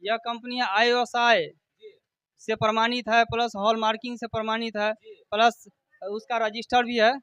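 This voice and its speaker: Male shop owner, bright and high, dry sound, repetitive promotional pitch listing features. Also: level tone, unhurried, clear, resonant tone, no room sound, dull audio. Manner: repetitive, listing selling points. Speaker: jewellery shop owner being interviewed. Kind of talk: promotional sales pitch in an interview.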